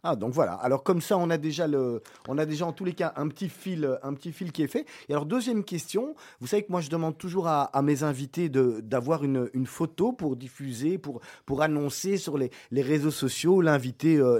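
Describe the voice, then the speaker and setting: A man's voice: on the high side, a little fast, few pauses, darkish tone. A man hosting an interview, asking questions in a hesitant, rambling way with many restarts. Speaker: interview host.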